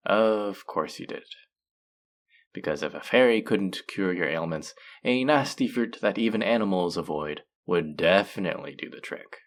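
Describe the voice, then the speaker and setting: A man's voice: deep voice, animated, moderate pace. A man playing a teasing, sardonic, flirtatious male faerie in a scripted audio roleplay. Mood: exasperated, sardonic. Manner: sardonic, teasing, drawling with sighs.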